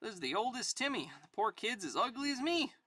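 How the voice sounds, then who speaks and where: Someone reading as a cheerful old private, bright voice. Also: medium pitch, sing-song, a little fast, no echo, voice pushed up. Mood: jokey, doting. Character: cheerful old army private, doting homely family man.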